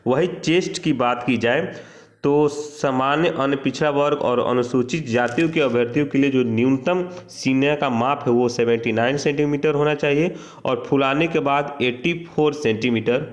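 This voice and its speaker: A man giving an informal instructional walkthrough as a coaching teacher, reading out details and commenting, with frequent check-in tags. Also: medium pitch. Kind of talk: informal explainer of a job notice, reading and commenting.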